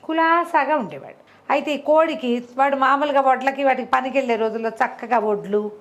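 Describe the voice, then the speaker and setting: Female oral storyteller, slightly high pitch, colloquial and conversational with animated asides. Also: a little fast. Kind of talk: conversational oral storytelling of a folk moral tale.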